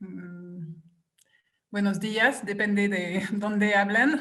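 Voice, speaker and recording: A woman with a non-native accent speaks at a very slow pace and a medium pitch. Her bright, sharp tone carries audible room echo. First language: not Spanish (speaking Spanish). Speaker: humanitarian NGO expert. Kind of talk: webinar panel discussion. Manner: halting, many fillers.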